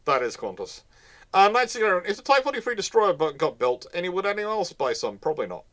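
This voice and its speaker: Fielding viewer questions on his naval history live stream, a man rambles casually and wanders off on tangents. He talks fast in a high-pitched, sing-song voice that's a bit bright. The recording is dry.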